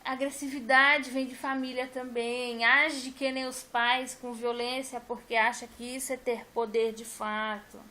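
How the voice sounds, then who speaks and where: A woman with a high voice talks straight to camera in a casual vlog. Her tone is bright and clear, and she presses every point with emphatic repetition. She speaks as a teacher talking to her viewers. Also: flat delivery, measured pace, hardly any pauses. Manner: emphatic, addresses viewers directly, repeats points.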